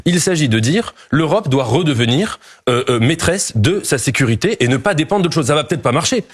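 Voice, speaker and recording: Un homme invité d'un débat télévisé qui défend son point de vue avec conviction, en hésitant parfois. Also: male voice, a little high, lively intonation, brisk, slightly rough. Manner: argumentative, hesitant fillers. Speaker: panelist. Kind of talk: TV debate.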